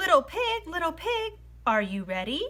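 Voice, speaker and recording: A woman's put-on character voice, squeaky and growling, at an extremely high pitch. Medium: read story. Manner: sly, growling.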